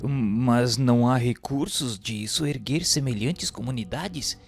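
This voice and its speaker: A Brazilian man voicing an earnest, awed spirit disciple who narrates a radio drama in solemn, measured, literary phrases. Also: medium pitch, gravelly. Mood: troubled, questioning. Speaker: narrator and protagonist. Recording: echoey hall reverb under prominent music.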